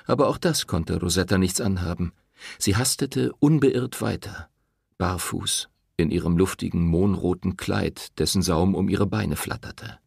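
A man reading an audiobook with expressive, animated narration. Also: low-pitched, a little slow, gravelly, husky, no echo, studio quality.

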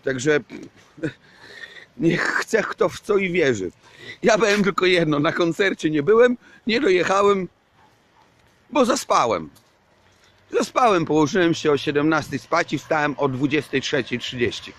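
A man's voice: on the high side, lively intonation, a little slow, pauses often, a bit bright. A man rambling in a casual vlog monologue while walking outdoors at night. He hedges a lot and swears casually. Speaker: vlogger. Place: outdoors at night under a street lamp.

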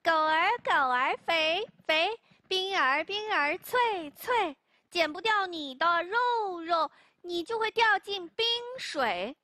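A cheeky, fearless little boy in a storybook tale, voiced by a woman, teasing in a sing-song way. His voice is very high and lively, and the sound is dry. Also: a little slow, no echo, exaggerated voice. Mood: playful.

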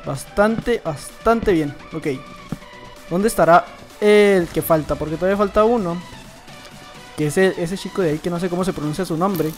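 A man's voice: high-pitched, normal speed, faint music behind. A young man giving casual, playful commentary over his own gameplay, teasing opponents as he goes. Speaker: gaming youtuber.

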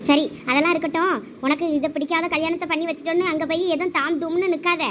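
Woman, Thoothukudi Tamil accent, village comedy drama dialogue, very high voice, rapid chatty scolding. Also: steady tone, a bit bright, slight background noise.

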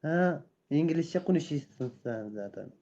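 A man from Afghanistan with an Afghan accent, chatting casually in broken, halting, foreign-learner phrases with simple grammar. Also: fairly high pitch, expressive, dark tone, lo-fi sound. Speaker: guest caller on a live stream. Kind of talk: casual chat.

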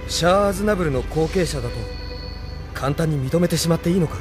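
A man's voice: a little high, fast talker, over music, close to an everyday voice. Male actor as a cautious young heir in a radio play, asks probing questions. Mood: wary. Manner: questioning, guarded. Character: young male heir to a rebel cause, wary. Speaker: young rebel leader. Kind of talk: radio drama acting.

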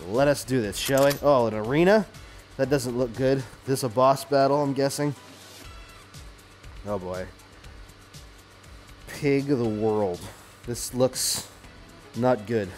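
A man's voice: mid-range voice, slow pace, long pauses, darkish tone. A man giving casual, exclamatory commentary as he plays a video game, muttering short repeated phrases and mild, clean exclamations to himself. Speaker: gaming video host. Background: game music and sound effects.

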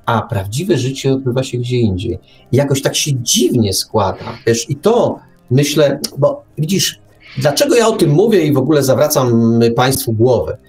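Male radio host, mid-pitched, opinionated, addresses the audience with pointed questions, faint music underneath. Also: expressive, moderate pace, a little mellow. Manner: rhetorical questions, addressing listeners directly. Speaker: talk show host.

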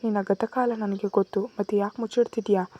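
A woman's voice: mid-range voice, steady tone, brisk, dark tone, a little hiss or hum, natural voice. A woman voicing a hot-tempered, possessive young man who talks in a harsh, threatening way. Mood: angry.

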